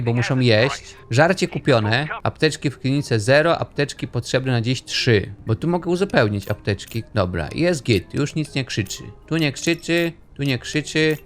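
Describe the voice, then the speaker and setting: Young man, let's play commentary, joking with game characters, lively swooping pitch, faint game music behind. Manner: playful, jokey, chatty with game characters. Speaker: gaming YouTuber.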